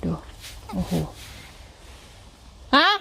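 A young adult woman chatting casually to her viewers while foraging outdoors in a forest, with excited exclamations. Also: drawn-out words, no echo. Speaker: vlogger.

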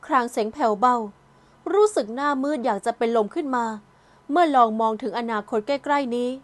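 A woman narrating an audio novel in a calm, gentle storytelling voice. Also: on the high side, a little fast. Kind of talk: scripted narration.

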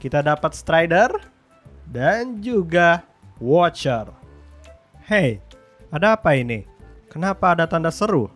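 Young Indonesian man, fairly high voice, casual game commentary, swears a lot. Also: takes it slowly, pauses often, soft background music. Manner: excitable, slangy, swears in English often. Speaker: gaming YouTuber.

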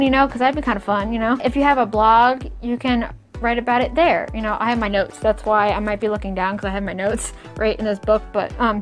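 Young female YouTuber, high voice, rambling and giggly, light stutter, faint music bed. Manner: rambling, many "like" and "kind of" fillers, giggly; stutters at times. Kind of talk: casual vlog advice.

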